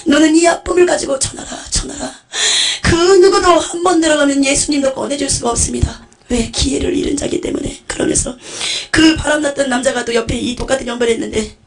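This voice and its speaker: Fast, fervent woman giving tearful testimony. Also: high voice. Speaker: testimony speaker. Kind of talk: emotional testimony sermon.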